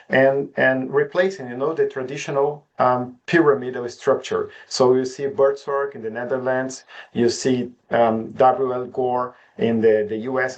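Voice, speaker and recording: A man hosting an interview, asking long, searching questions with many hesitations. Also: mid-range voice. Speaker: host interviewer.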